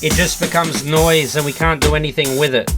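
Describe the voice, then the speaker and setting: A man's voice: a little high, fairly even intonation, fairly quick. A man presenting a casual, hands-on tutorial, explaining things informally step by step. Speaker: presenter of an audio gear tutorial. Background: electronic music beat playing.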